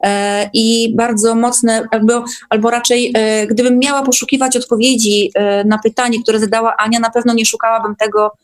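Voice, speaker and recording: A woman's voice: fairly high pitch, flat delivery, moderate pace, few pauses. A woman guest in a casual online discussion, speaking in hesitant bursts with repeated words.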